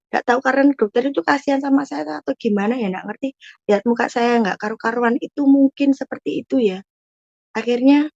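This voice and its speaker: Earnest woman, emotional testimony; higher register, dull dry recording. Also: darkish tone, no echo. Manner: earnest, addresses listeners as "saudara" constantly. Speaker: testimony guest. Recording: muffled dull audio.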